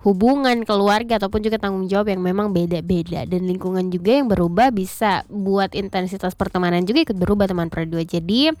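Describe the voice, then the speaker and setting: A woman's voice: medium pitch, darkish tone, no room sound. Woman hosting late-night radio, dry sound. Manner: conversational, reflective, often addressing the listener. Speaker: radio host. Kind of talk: late-night radio talk, addressing listeners directly. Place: radio studio.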